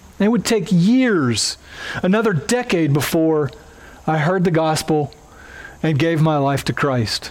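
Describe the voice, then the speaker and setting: A man with an Oklahoma accent speaks at a fairly slow pace and fairly high pitch, with lively intonation and long, frequent pauses. Noticeable background noise is present. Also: very even loudness. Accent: Oklahoma twang, Southern US. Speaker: pastor. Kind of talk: sermon. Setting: church.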